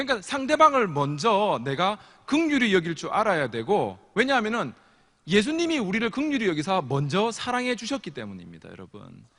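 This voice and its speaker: A man with a high, bright, sharp voice, very wide pitch swings and big swings in loudness, at a moderate pace. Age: young. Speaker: pastor. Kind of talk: sermon.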